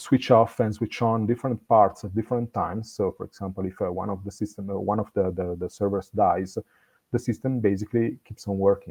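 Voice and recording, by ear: A man speaks at a fairly quick pace with a fairly low pitch and fairly even intonation. His tone is slightly mellow, with a slightly husky edge.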